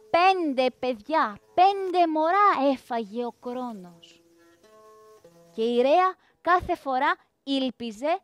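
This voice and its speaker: A woman performing a myth as a live storyteller, dramatic and speaking straight to her audience. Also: sits high. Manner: dramatic, addresses the audience directly. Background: live plucked string music.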